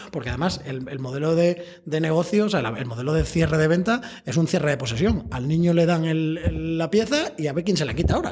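Over noticeable background noise, a man with a high pitch speaks at a very fast pace with lively intonation. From Extremadura, Spain (Badajoz). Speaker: sales trainer. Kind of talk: interview. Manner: animated.

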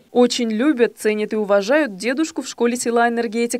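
The voice belongs to a woman. Her pitch is fairly high. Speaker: TV news reporter. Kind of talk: TV news narration.

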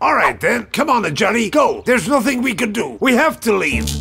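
A man puts on a character voice at an extremely high pitch, talking at a fairly quick pace over clearly heard background music. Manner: exasperated, fussy.

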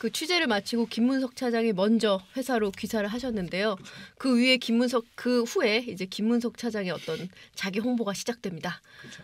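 With an animated tone, a woman talks at a fairly quick pace in a fairly high pitch, with ordinary pitch variation and big swings in loudness. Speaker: entertainment reporter and co-host. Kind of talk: casual chat. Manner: animated, laughs often.

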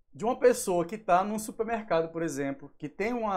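With a northeastern Brazilian accent, the speaker talks against a quiet background. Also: man. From Natal, Rio Grande do Norte, Brazil; Rio Grande do Norte, Brazil. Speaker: programming teacher and YouTuber; livestream programming teacher. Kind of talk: live coding tutorial; live tutorial and chat with viewers. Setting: live stream. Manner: casual and animated. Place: home room.

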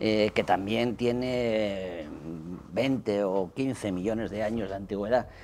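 A man's fairly low, fairly even voice at a very slow pace, over light background noise. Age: 60s. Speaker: geologist; guest. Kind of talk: interview. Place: studio. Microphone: lapel.

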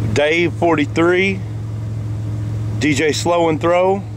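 The recording sound is dry, with no echo. Light background noise can be heard. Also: man. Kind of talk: casual vlog chat. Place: car. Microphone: phone near.

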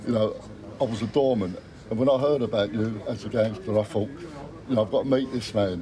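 Very fast speech from a man, with noticeable background noise. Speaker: admirer meeting a guest. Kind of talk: casual chat. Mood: warm, jovial. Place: street.

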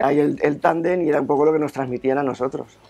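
A dark, mellow tone in a Castilian accent, very fast, with monotone, flat intonation. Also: man. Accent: central Spanish (Castilian). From Spain, rural Toledo province; Spain. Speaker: animator; interviewee. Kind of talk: interview. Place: studio. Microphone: lapel.

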